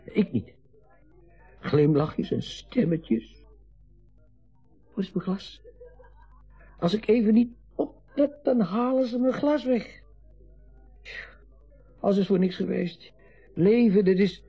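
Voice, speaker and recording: A man's voice: sits high, expressive, takes it slowly, pauses often, husky, highs cut off, exaggerated voice. A man playing an aging, grumbling, worldly party guest in a naturalistic radio drama. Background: faint music.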